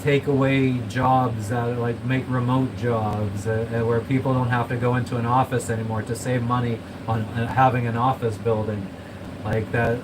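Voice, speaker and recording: A man's voice: medium pitch, moderate pace. Rambling, swearing man over a noisy hum. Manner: rambling, swears a lot, self-described monotone. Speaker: vlogger. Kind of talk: casual chat. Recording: noisy room with air conditioning and traffic hum.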